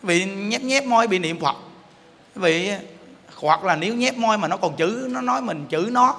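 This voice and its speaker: Man, Southern Vietnamese accent, Buddhist sermon; high, bright, forceful delivery, jokey and questioning, long hall reverb. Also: normal speed. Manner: animated, joking, asks the audience questions. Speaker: Buddhist monk preaching.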